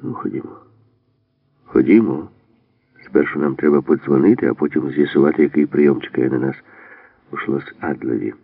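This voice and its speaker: A man reading an audiobook, voicing a calm male commando leader who reassures his partner gently. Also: rumbling low, normal speed, long pauses, no echo. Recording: dry, phone-like narrow band.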